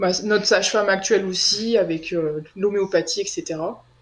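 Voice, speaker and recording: A woman at a very slow pace, with a medium pitch and ordinary pitch variation. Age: 30s. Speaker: mother of three sharing breastfeeding story. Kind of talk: testimony.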